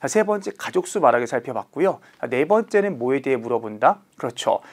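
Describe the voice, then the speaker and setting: A male Chinese language teacher leads a recorded online lesson in an animated voice that moves widely up and down in pitch. He keeps checking in with his students through short rhetorical questions. He slows down deliberately whenever he spells out a tricky pronunciation.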